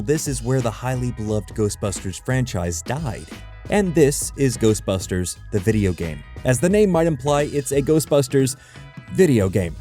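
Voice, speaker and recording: A man's voice: medium pitch, warm tone. A man narrating a scripted video essay in a wry, conversational way, with dryly humorous asides. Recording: music bed under the voice. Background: background music.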